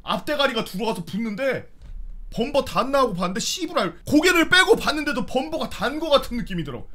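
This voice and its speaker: A man's voice: extremely high pitch, very animated, brisk, pushed and bright. A man in his thirties, a streamer telling stories casually, swearing and acting out scenes with sound effects. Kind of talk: casual storytelling and reading viewer stories.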